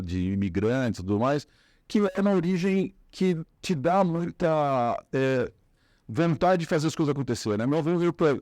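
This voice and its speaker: A middle-aged man with a Paulistano Brazilian accent talks as an interview guest, winding through his story with fillers and restarts. His voice sits in an ordinary middle pitch and sounds close and dry. The tone is relaxed and conversational. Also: no echo. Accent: Paulistano Brazilian Portuguese. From São Paulo, Brazil. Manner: rambling, many fillers and restarts.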